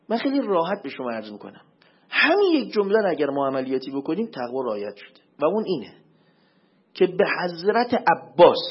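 A man giving a religious lecture as a preacher, swinging between loud emphatic questions and low murmured asides. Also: slightly rough. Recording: dull lo-fi recording.

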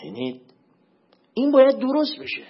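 A man giving a religious lecture as a preacher, swinging between loud emphatic questions and low murmured asides. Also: wildly swooping pitch, breathy edge. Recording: dull lo-fi recording.

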